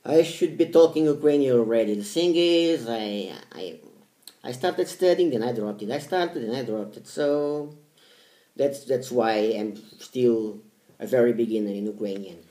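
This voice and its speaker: Here a man in his 30s, Portuguese by first language, speaks to camera about his language studies in an animated, dark-toned mid-range voice with an echoey room behind it. As a language learning vlogger he is casual but halting, restarting and repeating words. He puts stress on each language name.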